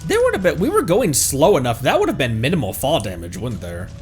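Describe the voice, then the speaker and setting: A man's voice: mid-range voice, wildly swooping pitch, fairly quick. A man streaming a video game with casual, playful live commentary, reacting and exclaiming as he plays. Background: faint game music.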